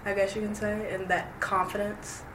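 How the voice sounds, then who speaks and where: A woman's voice: medium pitch, flat delivery, moderate pace. A young woman, recalling her early life in an oral history interview, reflective and hesitant with many fillers. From Roanoke, Virginia. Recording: echoey room with noise.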